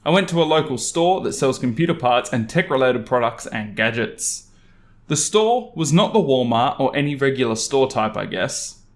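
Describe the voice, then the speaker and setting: A man working as a storytelling narrator, reading an online story aloud in an animated style. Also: medium pitch, moderate pace.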